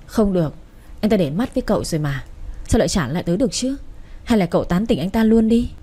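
A cheeky young woman friend, teasing and coaxing in a mellow, soft-toned voice, as a woman storyteller puts her on. She pushes her friend along with playful insistence. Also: medium pitch, animated, quick pace, husky.

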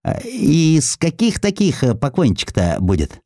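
A man's voice: on the high side, wildly swooping pitch, measured pace, mellow, no echo, clean studio sound, pitched above the performer's own voice, full character voice. A man voicing a nosy, simple old beggar with drawling, hesitant folk speech in an audiobook. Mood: curious, indifferent. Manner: folksy, drawling, hesitant questioning.

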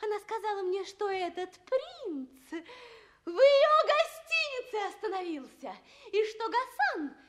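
An actress playing a gentle, earnest, loyal young lady-in-waiting in a theatrical radio play. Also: extremely high pitch, sing-song, takes it slowly, exaggerated voice. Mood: hurt, earnest.

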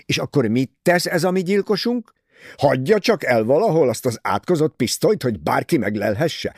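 A man voicing an excitable male detective in an audiobook reading, talking forcefully and insistently. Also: mid-range voice, breathy edge, no echo, clean studio sound, pitched above the performer's own voice. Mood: emphatic. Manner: emphatic, insistent, raises voice.

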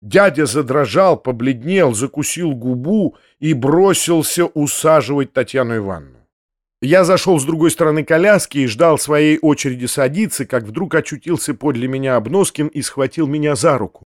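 Guy reading an old novel, slightly high voice, dry close mic. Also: expressive, dry recording. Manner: measured literary narration. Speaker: audiobook narrator. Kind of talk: reading a classic novel aloud.

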